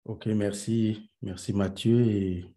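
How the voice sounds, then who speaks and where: A young man from Cameroon answers questions in an online interview, pausing often and hunting for words. His voice sits low and sounds dark and mellow. He speaks at an unhurried, deliberate pace. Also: steady tone. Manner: slow, hesitant, many filler pauses. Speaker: guest, peace researcher. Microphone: video call.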